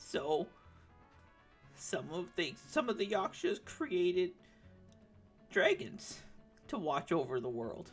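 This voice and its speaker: A put-on character voice at middle pitch moves at a fairly slow pace with long, frequent pauses over faint music in the background. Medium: actual play. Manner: rambling, storytelling.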